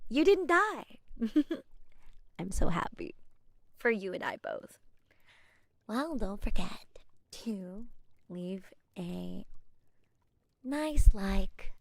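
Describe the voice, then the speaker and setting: A woman's voice: mid-range voice, gravelly, dry recording, full character voice. A woman whispering in the role of a friendly, playful young witch shopkeeper who teases and giggles. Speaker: ASMR roleplay creator. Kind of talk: ASMR roleplay.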